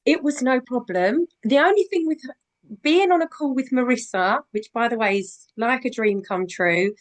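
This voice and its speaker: Slightly husky woman with a cold. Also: fairly high pitch, expressive, moderate pace. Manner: eager and talkative. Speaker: guest sharing her story. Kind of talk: video call interview.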